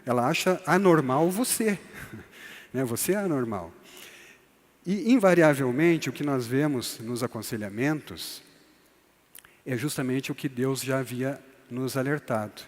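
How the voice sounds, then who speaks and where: A man's voice: mid-range voice, lively intonation, a little slow. A man teaching a church couples course in a conversational way, often tagging his sentences with a questioning "né?". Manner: conversational, tags lines with "né?", acts out quoted voices. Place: church hall. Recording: long hall reverb.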